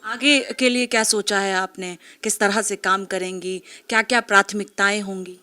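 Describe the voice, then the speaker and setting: Woman reporter doing a news interview, crisp bright voice, formal questions. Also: medium pitch, steady tone, normal speed. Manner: formal, leading questions with long framing.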